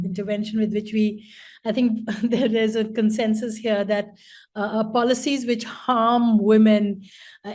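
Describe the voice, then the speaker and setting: A woman's voice: mid-range voice, darkish tone. A woman moderating a webinar panel, thoughtful and hesitant with many fillers.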